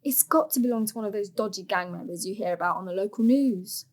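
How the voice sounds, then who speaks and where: A woman's voice: medium pitch, fast, natural voice. An actress playing a frustrated, yearning young woman, a blunt and earnest daughter in a stage drama. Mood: persuading. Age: young adult.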